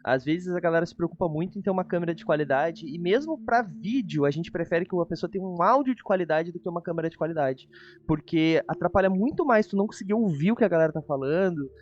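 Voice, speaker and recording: A man's voice: sits high, lively intonation, fast, darkish tone, lo-fi sound. A Brazilian man hosting a casual review chat, talking in an informal, chatty way. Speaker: host. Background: faint background music.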